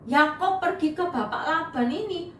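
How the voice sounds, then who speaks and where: A woman's voice: high voice, moderate pace, a little hiss or hum. A woman Sunday school teacher telling a Bible story to children, turning to them often. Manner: animated, addresses the children often. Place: church classroom. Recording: echoey room, mic far off.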